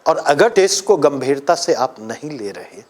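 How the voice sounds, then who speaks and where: Animated man teaching a class. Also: medium pitch, moderate pace. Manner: emphatic, asks the class questions. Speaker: exam coaching teacher. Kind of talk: classroom lecture.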